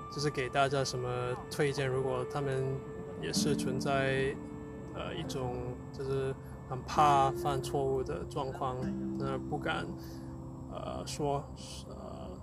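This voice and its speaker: A man who is a non-native Mandarin speaker with a foreign accent chats casually, searching for words and repeating phrases as he goes. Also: medium pitch. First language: not Mandarin, a foreign learner of it. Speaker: co-host, Chinese learner. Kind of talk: casual unscripted chat.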